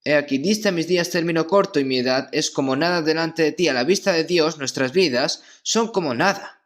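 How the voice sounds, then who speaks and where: A man preaching a sermon as pastor in a church, in a measured delivery that keeps checking in with his listeners through short questioning tags. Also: on the high side, fairly bright tone.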